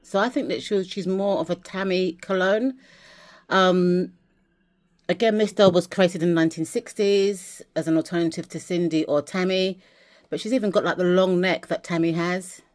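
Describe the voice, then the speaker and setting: A woman's voice: fairly low pitch, normal speed, darkish tone. A woman from England chatting casually in a vlog as she shows dolls and a journal, rambling a little with restarts. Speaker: vlogger.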